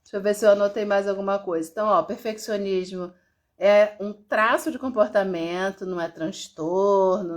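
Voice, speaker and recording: A woman from Brazil, a therapist with a Brazilian accent, talking casually to viewers on a live stream and laughing now and then. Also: mid-range voice. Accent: Brazilian Portuguese. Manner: chatty and warm, laughs often, reads out viewer comments.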